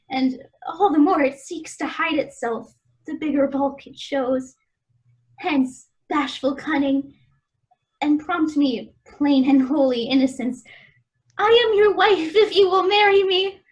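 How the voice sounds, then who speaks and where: High-voiced innocent young maiden played by a woman. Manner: earnest formal verse delivery. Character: Miranda, innocent earnest lovestruck young maiden. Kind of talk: Shakespeare radio-play acting.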